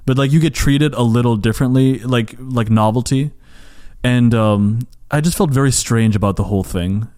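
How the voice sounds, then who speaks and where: A man's voice: medium pitch, moderate pace, darkish tone. A young man from the United States hosting a podcast, talking casually and rambling with lots of "like" and restarts. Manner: rambling, heavy use of "like", frequent restarts. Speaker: podcast host. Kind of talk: casual conversation.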